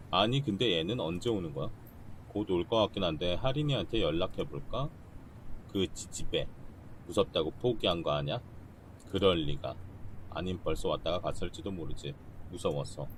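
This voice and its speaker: A male game streamer chatting casually, reading dialogue aloud and reacting quickly while bantering with viewers. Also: sits low, a little hiss or hum.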